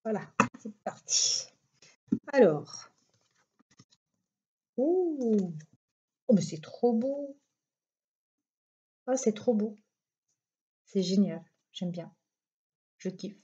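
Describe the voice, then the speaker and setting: A woman's voice: mid-range voice, big pitch swings, drawn-out words, long pauses, warm tone. Chatty Belgian woman reading cards, lo-fi. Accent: Belgian French. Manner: chatty, rambling, many fillers, laughs often. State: recovering from illness. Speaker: tarot card reader. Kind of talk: casual card reading vlog. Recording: dull lo-fi home recording.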